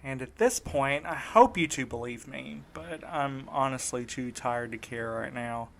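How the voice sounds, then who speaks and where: A man's voice: medium pitch, a little slow, gravelly, fairly bright tone, a little hiss or hum. A man playing a weary, shaken young man in a fiction podcast, speaking in a wry, conversational, folksy way. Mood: exhausted, grumbling. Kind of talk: naturalistic fiction podcast acting.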